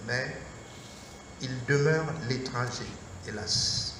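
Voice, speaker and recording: A Catholic priest from Burkina Faso, Mooré-speaking, giving a Lenten lecture in slow, deliberate, emphatic short phrases. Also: male voice, medium pitch. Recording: echoey hall from far off, faint noise.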